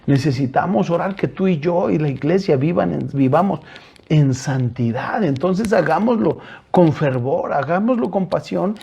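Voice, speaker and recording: A man with a Mexican Spanish accent delivers a sermon in an earnest, direct way, often turning to his listeners. His voice sits a bit high for a man, with a mellow, dark color and a husky edge. Now and then he hesitates over a filler before moving on. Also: lively intonation, normal speed, dull audio. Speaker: pastor.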